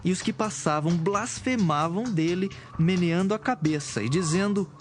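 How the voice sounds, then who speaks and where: Male Bible narrator, slightly high voice, reading a script over background music. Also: moderate pace. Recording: music behind the voice.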